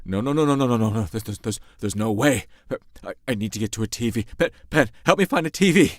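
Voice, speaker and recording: A man's voice: medium pitch, expressive, quick pace, dry recording, studio quality, lightly acted. A man playing an anxious, flustered gangster in a comic audio drama, stammering. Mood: panicked, stunned. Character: anxious, flustered male gangster, pleading with his sweetheart. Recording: music behind.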